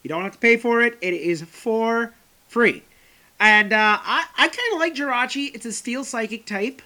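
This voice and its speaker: A woman's voice: on the high side, moderate pace, bright, forceful tone. A woman co-hosting a casual podcast in a playful, upbeat way with plenty of fillers. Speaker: podcast co-host.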